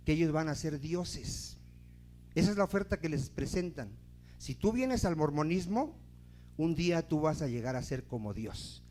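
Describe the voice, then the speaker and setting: Emphatic preaching pastor, higher voice. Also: male voice, a little mellow, a little hiss or hum. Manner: emphatic, asks the congregation questions. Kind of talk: sermon. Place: church.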